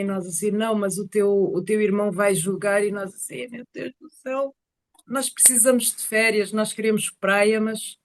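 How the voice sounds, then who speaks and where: A woman telling casual personal stories to a group on a video call, animated and often searching for words. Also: mid-range voice. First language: Portuguese is one of several languages spoken.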